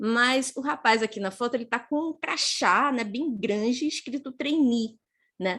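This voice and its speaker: A woman speaks in a Pernambuco accent. Her pitch is high. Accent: Pernambuco accent, noticeable. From Brazil, Pernambuco. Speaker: career speaker, recruiter. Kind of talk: online career talk. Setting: livestream. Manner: fast.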